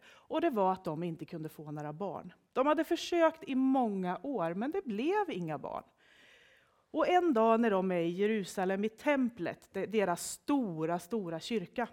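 Woman preacher, animated storyteller for a family church service, middle pitch. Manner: lively, expressive storytelling. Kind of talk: storytelling sermon for all ages.

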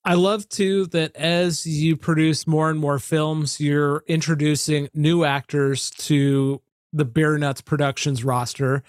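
A man's voice: on the high side, level tone, takes it slowly, no echo, studio quality. A man interviewing a filmmaker, asking appreciative, enthusiastic questions in a casual chat.

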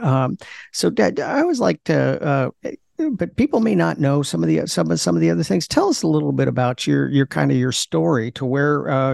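A male radio host with a gravelly voice and a dry, close sound. He talks in a halting way, stumbling over words and restarting his sentences. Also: fairly high pitch, darkish tone, no echo. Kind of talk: casual interview chat.

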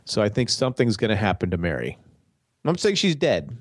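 Stuffed-up, nasal male co-host, lowish voice, rambling casual chat. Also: huge pitch swings, fairly quick, slightly rough, no echo. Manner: rambling, restarts mid-sentence. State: congested, nasal. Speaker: podcast co-host. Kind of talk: casual TV discussion.

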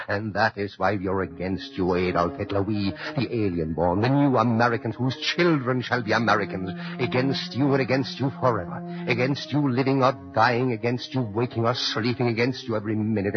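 A man's voice: mid-range voice, lightly acted. An actor playing an immigrant American man who writes defiantly to a dictator, in the declamatory style of 1940s radio drama. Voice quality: declamatory, building to fervent cries. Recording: muffled 1940s radio broadcast with music.

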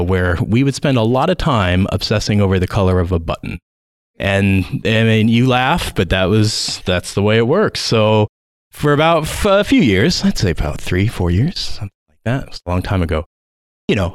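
This is a man in his forties with a Southern Californian accent, speaking as a guest on an interview podcast. His voice sits very low and sounds smooth and resonant. He tells his story eagerly, rambling a little with fillers, in a dry, close recording. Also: dry recording. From United States. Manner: enthusiastic, rambling with fillers and laughs. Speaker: guest educator.

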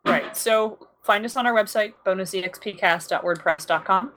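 A woman's voice: medium pitch, normal speed, a bit bright. A woman co-hosting a podcast in casual chat, dropping wry, joking asides. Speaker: podcast co-host.

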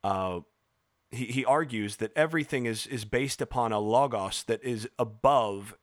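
A man explaining ideas in a casual podcast discussion, professorial and halting, with frequent restarts and fillers. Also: medium pitch, no room sound, studio quality. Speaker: podcast co-host.

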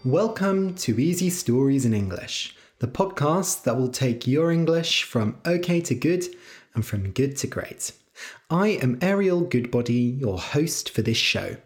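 Lively, careful podcast host for learners. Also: medium pitch. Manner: spells out web addresses letter by letter; careful and deliberate. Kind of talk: slow, clear podcast talk for English learners.

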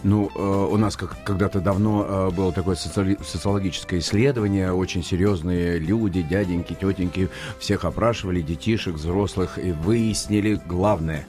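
Older man, low voice, lively storyteller. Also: normal speed, few pauses, faint music behind. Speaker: guest, actor and former children's TV presenter. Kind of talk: studio interview. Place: radio studio.

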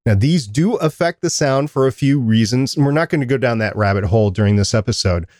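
A man's voice: medium pitch, expressive, fairly quick, a little mellow, dry recording, studio quality. A man co-hosting a podcast, explaining audio plugins in a casual, conversational way and asking himself rhetorical questions. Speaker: podcast co-host. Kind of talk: casual instructional chat.

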